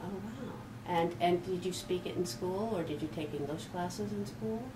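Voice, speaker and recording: A woman's voice: lowish voice, normal speed, reverberant, noisy background. A woman interviewing a student, asking casual questions and giving encouraging acknowledgements.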